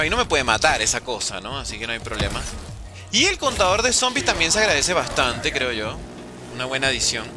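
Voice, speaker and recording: A man, chatting casually and teasing his viewers while streaming a game. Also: on the high side. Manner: joking, teasing chat with slang. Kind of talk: casual live-stream chat while gaming.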